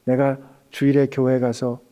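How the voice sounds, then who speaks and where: A male pastor preaching a sermon, swinging between raised emphatic passages and hushed, whispered lines, acting out quoted speech in intimate tones. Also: medium pitch, completely flat delivery, a little slow.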